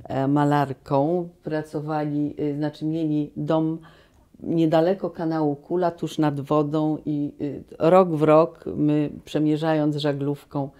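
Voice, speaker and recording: Low-pitched woman guest in her sixties, mellow voice, lively anecdotes, lapel mic in a small room. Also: slow. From Poland. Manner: animated storytelling with many restarts. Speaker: guest actress. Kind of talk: relaxed reminiscing conversation. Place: small cozy room, indoors.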